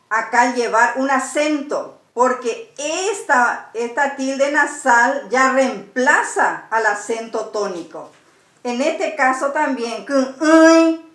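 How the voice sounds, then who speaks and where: Female teacher, patient, unhurried delivery, echoey room. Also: a little high, a bit bright. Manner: patient, pointing at examples on a board. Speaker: language teacher. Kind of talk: slow explanatory grammar lesson.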